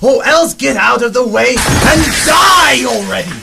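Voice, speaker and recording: An actor playing a sadistic, gleefully cruel clown supervillain in a superhero radio drama, taunting in a theatrical sing-song way. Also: male voice, very high-pitched, expressive, measured pace, vocal fry, loud music behind the voice, full character voice. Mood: mocking, goading.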